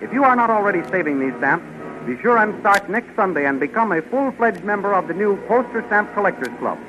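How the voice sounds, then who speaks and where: A man's voice: high voice, animated, fairly quick. A man announcing and narrating a 1930s radio adventure serial in a scripted promotional style. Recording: noisy, dull 1930s radio recording.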